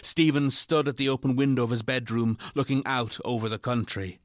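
Male narrator, gothic ghost story. Measured literary read, mid pitch, dry studio-close sound. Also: steady tone, no echo.

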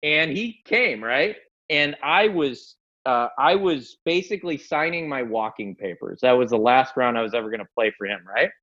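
A man's voice: mid-range voice, moderate pace. A young adult man, a golf coach, telling a story as a podcast guest, acting out the lines of the people in it and laughing as he goes. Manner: lively, quotes others in dialogue, laughs often. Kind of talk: animated storytelling. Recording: dull lo-fi sound.

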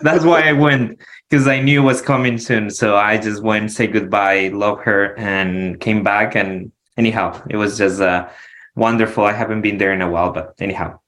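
A man from Ecuador, a company founder who is a guest on a podcast and explains his story in a relaxed way with soft chuckles. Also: on the low side, moderate pace. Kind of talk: casual podcast interview.

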